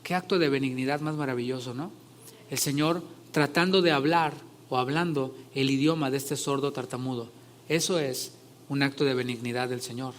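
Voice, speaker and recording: A male pastor preaching a sermon in a conversational way, growing loud and emphatic when he retells scripture scenes. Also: medium pitch, steady tone, normal speed, a little hiss or hum.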